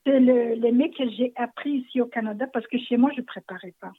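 Soft-spoken woman from Rwanda, phone-like sound. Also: a little high, husky. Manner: soft-spoken, hesitant with frequent pauses. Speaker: interviewee. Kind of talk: personal interview. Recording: narrow phone-like audio.

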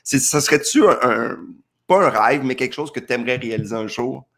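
A man's voice: medium pitch, fairly quick, fairly bright tone. A man with a Quebec French accent hosting a casual interview, easygoing and asking questions. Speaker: host.

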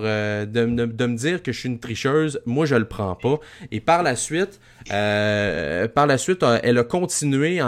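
A man with a Quebec French accent in a casual sports discussion, speaking haltingly and repeating words as he searches for his phrasing. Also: mid-range voice. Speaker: sports talk show commentator.

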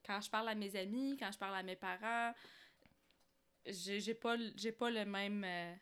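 A woman's voice: mid-range voice, normal speed, fairly bright tone, clean tone. A woman from Algeria chatting casually as a podcast guest, telling personal stories. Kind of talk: casual conversational storytelling.

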